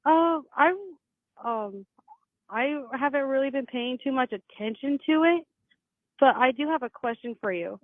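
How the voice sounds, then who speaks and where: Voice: high-pitched, lively intonation, measured pace, dry recording. Hesitant caller on a tinny phone line. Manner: hesitant, stammering. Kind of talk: phone call-in.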